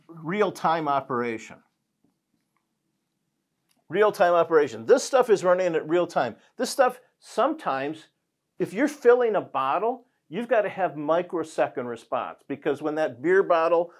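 An older male instructor teaches in front of a whiteboard, his voice sitting a little high for a man. He talks loosely and conversationally, restarting sentences and leaning on "you know." The sound is close and clean from a lapel mic in a studio. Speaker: industrial networking instructor. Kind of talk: whiteboard lesson.

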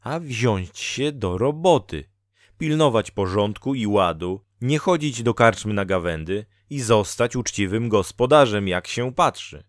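A man's voice: fairly low pitch, expressive, measured pace, no echo, clean studio sound, voice pushed up. A man voicing Dola, a female spirit of fate who scolds a lazy farmer in a storybook reading, with lecturing, reproachful delivery. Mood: scolding.

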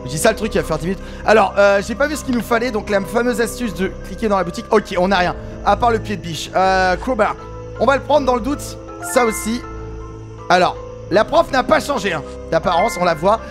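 Guy with a really high voice yelling excitedly over a game he's playing, faint music behind. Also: fairly quick. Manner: excitable, exclamatory, often shouting. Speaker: gaming YouTuber. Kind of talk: let's play commentary.

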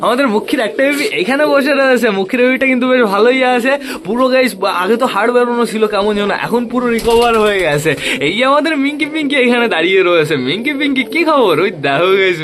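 A man vlogging about his pet pigeons in a casual, chatty way, talking to viewers and coaxing his birds. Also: very high-pitched. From West Bengal, India. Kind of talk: casual vlog narration.

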